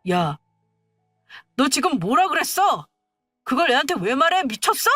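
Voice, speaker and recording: A woman's voice: sits high, sing-song, measured pace, a bit bright, no room sound, soft background music, pitched above the performer's own voice, heavily acted. A woman voicing a young husband in a storybook tale, who makes excuses and pleads. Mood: angry. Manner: wheedling, making excuses.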